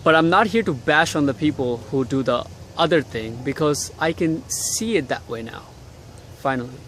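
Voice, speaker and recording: A young man from Bangladesh records a casual motivational vlog outdoors in the cold city air. He talks bluntly and swears freely, with a slightly higher voice than most men. Faint traffic hums behind him. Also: animated, moderate pace, a bit bright. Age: young adult. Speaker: vlogger.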